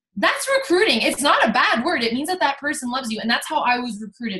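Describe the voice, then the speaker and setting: A high-pitched woman with a Canadian accent, speaking at a fairly quick pace. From Canada, Ottawa. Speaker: fitness business coach. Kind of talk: online training presentation. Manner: fast; animated.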